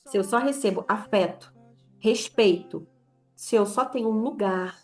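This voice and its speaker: A woman's voice: mid-range voice, a little slow, a little mellow, faint music behind. A young adult woman with a Brazilian Portuguese accent giving an informal sermon to women, talking in a conversational way and acting out quoted voices. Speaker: women's ministry leader.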